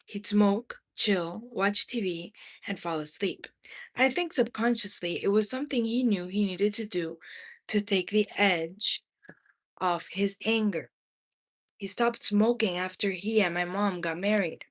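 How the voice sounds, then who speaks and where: A woman reading a memoir aloud as expressive narration, in deliberate phrases with dramatic pauses. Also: medium pitch. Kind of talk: expressive audiobook-style narration.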